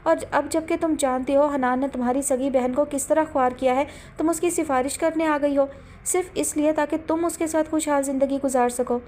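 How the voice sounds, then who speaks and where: A woman's voice: high-pitched, fairly even intonation, darkish tone, a little hiss or hum, lightly acted. A woman voicing a stubborn, desperate young woman who pleads and insists with her sister and mother in an audiobook drama. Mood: pleading.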